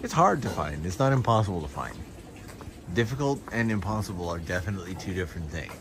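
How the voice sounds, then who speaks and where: A man hosting a casual walking livestream outdoors, answering viewer questions in a relaxed, chatty way. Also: low voice, fast. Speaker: vlogger and livestream host. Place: outdoors on city streets. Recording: street noise behind the voice. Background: street ambience and passing vehicles.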